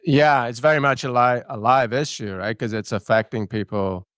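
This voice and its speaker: A man's voice: medium pitch, fairly even intonation, normal speed, fairly bright tone, clean tone, no room sound. Male interviewer, affirming casual questions, dry recording.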